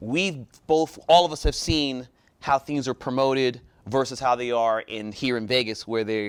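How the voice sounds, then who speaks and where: A man speaks at a moderate pace in a normal speaking voice, pitched in the medium range with ordinary pitch variation. The recording is very clean, with a silent background. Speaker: show host. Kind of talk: interview questions.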